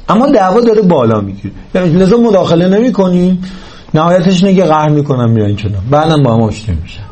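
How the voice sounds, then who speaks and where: A man's voice: high-pitched, a little mellow, poor audio. A man giving a religious lecture on parenting to a live audience, speaking earnestly and checking in with his listeners through rhetorical questions.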